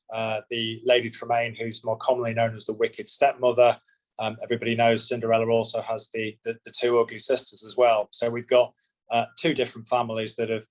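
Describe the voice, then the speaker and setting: A man answering as a solicitor, measured and explanatory, often repeating words as he restarts. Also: mid-range voice, low-quality recording. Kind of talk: expert interview answers.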